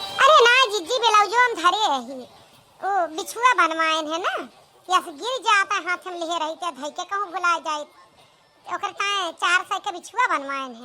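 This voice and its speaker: With music in the background, a woman does a cartoonish character voice at an extremely high pitch, a moderate pace and big swings in loudness. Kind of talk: village comedy dialogue. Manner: easygoing, reasonable.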